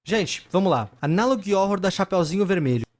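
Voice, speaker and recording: A man's voice: high voice, lively intonation, a little fast. A man with a Brazilian Portuguese accent, narrating a horror story recap in scripted video style.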